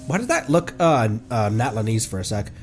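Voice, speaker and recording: A young man with blocked sinuses talks casually over gameplay, rambling and filling pauses with ums. His voice moves up and down a lot and sits in a middle register. Now and then he bursts out loud and excited. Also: medium pitch, faint music behind. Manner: rambling, hesitant with many ums; sudden loud excited outbursts. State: stuffed up, congested sinuses. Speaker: streamer.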